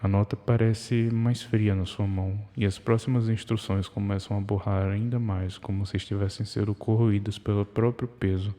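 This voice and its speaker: A man reading a scripted horror story in the second person, measured and ominous, in short broken phrases. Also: on the low side, little pitch movement, warm tone. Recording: long hall reverb.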